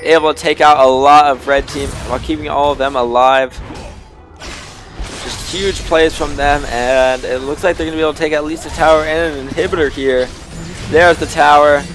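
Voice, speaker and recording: Young man, amateur game caster, slightly high voice, excitable play-by-play, faint background music. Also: fairly quick. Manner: excitable, rising to loud bursts in fights. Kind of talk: esports play-by-play commentary.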